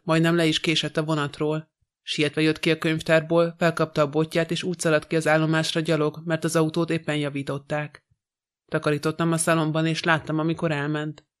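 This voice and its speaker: A man reading the part of a talkative young French housemaid in an audiobook, in a flat, even delivery. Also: on the high side, smooth, close to an everyday voice.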